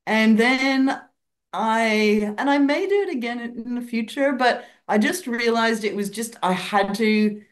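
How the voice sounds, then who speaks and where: A woman from Canada with a Canadian accent mixed with some Australian, talking as an author guest over a video call in a relaxed, modest, rambling way. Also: a little high, unhurried. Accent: Canadian with Australian influence. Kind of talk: casual interview chat.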